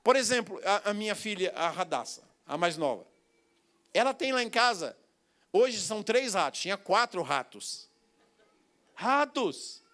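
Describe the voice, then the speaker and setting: A man's voice: sits high, very animated, measured pace, fairly bright tone. A man with a Brazilian Portuguese accent preaching a sermon, telling a story with quoted voices and bursts of laughter.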